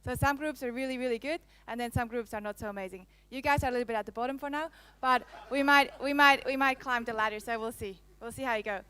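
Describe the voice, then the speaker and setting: A woman's voice: a little high, fast, hardly any pauses, bright, forceful tone, clear, resonant tone. A woman in her thirties from Switzerland, with a Swiss-French accent, giving a conference talk on a handheld microphone, playful and teasing her audience. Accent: Swiss, with some French. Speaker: conference speaker. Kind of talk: live keynote presentation. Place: conference hall.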